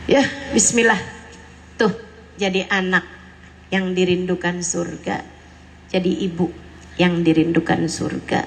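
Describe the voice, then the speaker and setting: A woman's voice: lowish voice, flat delivery, measured pace, gravelly, long pauses, slight background noise, poor audio. A woman preacher giving a sermon to mothers, earnest and mixing in casual everyday slang. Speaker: female preacher addressing mothers.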